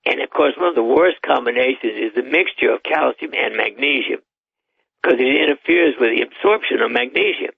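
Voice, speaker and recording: A man's voice: mid-range voice, fairly quick, vocal fry, breathy edge, no echo. A man in his eighties, a doctor guest on a radio call-in show, giving matter-of-fact health advice with the odd chuckle. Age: 80s. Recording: tinny phone line.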